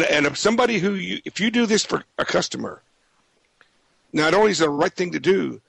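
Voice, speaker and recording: A man with a raspy voice hosting a casual radio talk show in a folksy way, often stumbling over and repeating words. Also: high voice, fairly bright tone, no room sound.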